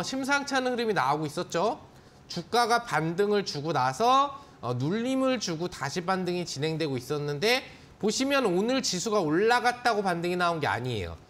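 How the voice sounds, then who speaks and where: Male stock expert, high lively voice, confident sales-pitch delivery. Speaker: stock market expert guest. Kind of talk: stock analysis commentary.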